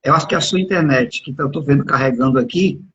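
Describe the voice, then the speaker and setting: A man, middle-aged, hosting an informal live interview in a halting way, repeating words as he goes. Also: medium pitch, pushed and bright, husky. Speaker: podcast and radio host. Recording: dull lo-fi internet call audio.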